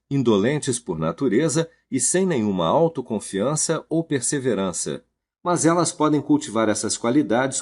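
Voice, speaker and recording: A man reading a self-help audiobook in a steady, earnest narration. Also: mid-range voice, slightly rough.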